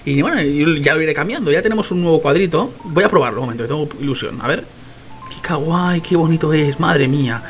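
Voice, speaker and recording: A young Spanish gamer man talks through his play in a high, excitable voice. He swears often and calls out to his viewers as he plays. Faint game music runs under his voice. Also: fast. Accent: Spain Spanish. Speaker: gaming youtuber. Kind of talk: casual gameplay commentary.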